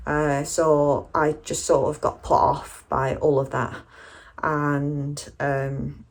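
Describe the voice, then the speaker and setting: Low-pitched British woman, casual vlog chat. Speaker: running vlogger.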